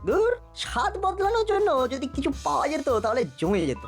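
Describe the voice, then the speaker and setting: A woman voicing an excitable, food-loving ten-year-old boy in a comedy cartoon, dramatic and playful. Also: high voice, fairly quick, music in the background. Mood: grumbling, scheming. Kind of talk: animated comedy cartoon acting.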